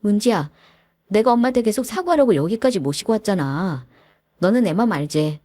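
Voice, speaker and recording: A woman's voice: medium pitch, very animated, brisk, dark tone, no echo. A woman doing a whiny greedy young man. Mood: urging. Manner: pushy, complaining. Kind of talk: storybook voice acting.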